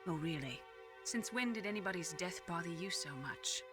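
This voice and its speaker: A woman's voice: on the low side, expressive, normal speed, over music, natural voice. A woman playing a cool, probing, skeptical mission advisor in a video game, with a pointed, questioning manner. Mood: skeptical, teasing.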